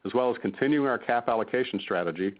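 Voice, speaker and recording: A man in the role of a finance executive reads a prepared earnings report in a formal, measured manner over a muffled conference call line. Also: mid-range voice. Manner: formal, measured reading of figures. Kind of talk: scripted earnings call presentation.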